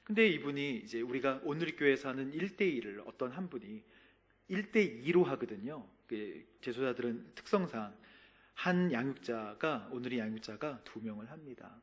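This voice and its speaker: A middle-aged man, a pastor, preaching a sermon with emotional storytelling that moves from soft whispers to loud, emphatic preaching. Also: mid-range voice, animated, normal speed.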